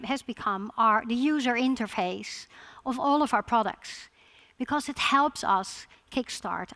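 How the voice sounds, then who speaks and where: A woman's voice: a little high, fairly bright tone. Dutch-accented woman giving a talk. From Netherlands. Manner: halting restarts, repeated words. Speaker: conference speaker. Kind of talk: conference presentation.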